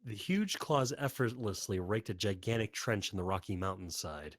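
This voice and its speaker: Low-voiced man narrating a story. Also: lively intonation, normal speed, no room sound, clean studio sound. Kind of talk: scripted dramatic story narration.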